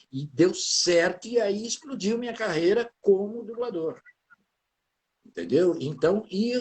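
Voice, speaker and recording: A man speaks with a somewhat breathy voice. His pace is moderate. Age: 70s. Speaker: voice actor and stage actor. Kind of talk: interview.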